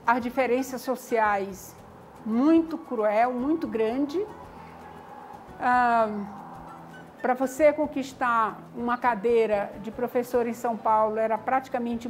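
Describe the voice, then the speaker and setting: A woman's voice: a little high, low-quality recording. Older woman, reflective interview storytelling, faint background music. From Maranhão, Brazil. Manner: reflective, frequent "né?" and "tá entendendo?" tags. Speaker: community founder. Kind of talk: personal life story interview.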